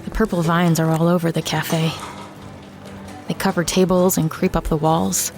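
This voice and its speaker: A woman's voice: fairly low pitch, level tone, moderate pace, natural voice. An actress playing a bitter woman writer who returns to a hometown that shuns her, narrating an audio drama in a terse, brooding way. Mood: defiant, bitter. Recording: music behind the voice.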